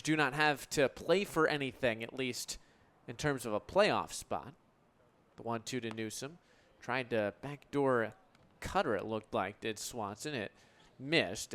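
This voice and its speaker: With a mid-range, slightly bright voice, a young man from the United States, in his twenties, delivers radio play-by-play of a sports game in smooth, articulate, descriptive calls.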